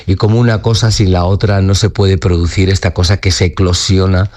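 A man's voice: sits low, level tone, fairly quick, darkish tone. A man in his fifties, a dancer and company director, talking earnestly in an interview with many restarts and tag questions. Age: 50s. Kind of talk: radio interview.

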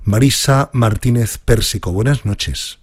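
A man hosting a formal interview, reading a polished introduction and asking measured questions. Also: mid-range voice, slightly rough, no echo, studio quality. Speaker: interviewer host.

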